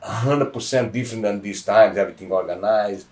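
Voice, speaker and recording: A man's voice: lowish voice, quick pace, a little mellow, recorded from a distance. A middle-aged Brazilian man, a jiu-jitsu black belt, telling stories in emphatic, broken English with a heavy Brazilian accent. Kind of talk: casual interview.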